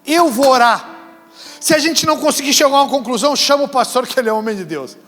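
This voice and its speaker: High-pitched preaching man, church reverb. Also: lively intonation, quick pace. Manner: preaching, mimics couples' dialogue, shouts rebukes. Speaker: pastor. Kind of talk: sermon. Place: church hall. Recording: church hall reverb with faint music.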